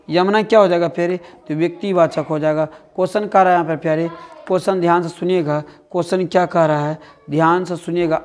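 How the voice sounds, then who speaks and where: A male teacher with a Bihari accent giving an exam-prep lesson. He repeats words over and over and keeps asking his students questions, calling them "dear". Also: high voice. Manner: drills answers, repeating words and asking the class.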